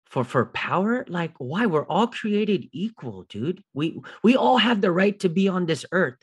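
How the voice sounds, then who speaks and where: Middle-aged man, fairly high voice, animated podcast co-host talking casually. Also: measured pace, husky. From Filipino heritage. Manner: animated, rises in pitch when making a point. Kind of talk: casual chat.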